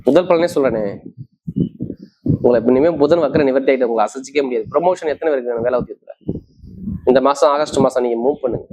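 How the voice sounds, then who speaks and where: Man, rapid-fire astrology forecast, assuring, repetitive emphasis, slightly dull lo-fi recording. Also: mid-range voice, a little mellow. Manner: emphatic, assuring, repeats key points. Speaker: astrologer, host. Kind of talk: astrology forecast addressed to viewers.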